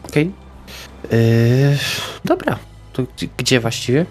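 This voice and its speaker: A man's voice: mid-range voice, expressive, takes it slowly, a little mellow, faint music behind. A man speaking in character in a tabletop roleplaying game, hesitant and jumpy, slipping into whispers. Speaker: player.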